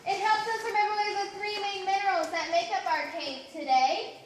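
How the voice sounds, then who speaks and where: A woman's voice: extremely high pitch, fairly even intonation, moderate pace, a little hiss or hum. A woman working as a cave tour guide, talking instructively and familiarly to her group with cave echo around her voice. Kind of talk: guided tour talk with quiz questions to visitors. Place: inside an echoey show cave. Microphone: camera mic at a distance. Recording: echoing cave, distant mic, chattering visitors.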